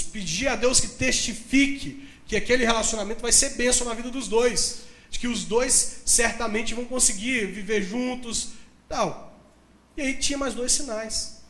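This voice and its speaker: Brief: male pastor, very high voice, lively storyteller, echoey church. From Brazil. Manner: animated storytelling, acts out dialogue, laughs at own jokes. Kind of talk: sermon with personal story.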